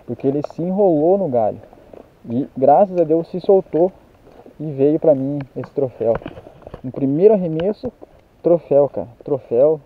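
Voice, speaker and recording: A young man with a Brazilian Portuguese accent, out of breath, talking excitedly to viewers as he lands a fish on a riverbank. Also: a little high, normal speed, phone-quality sound, slight background noise. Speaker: fishing vlogger. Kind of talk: excited outdoor fishing commentary. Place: outdoors on a riverbank. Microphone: handheld camera mic.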